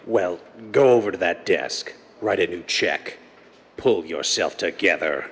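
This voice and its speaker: A man plays a menacing gang boss from an old radio crime drama. His voice is deep and slow, and he is curt, suspicious and threatening. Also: expressive, fairly bright tone, exaggerated voice. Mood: bossy anger. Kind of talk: 1930s radio drama acting.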